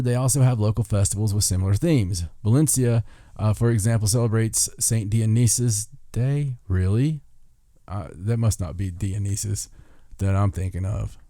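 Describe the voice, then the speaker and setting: Mellow, low-voiced man hosting casually. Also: normal speed, no room sound, clean studio sound. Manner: folksy, self-interrupting, stumbles over foreign words. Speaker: podcast host. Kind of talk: reading listicle aloud with casual joking asides.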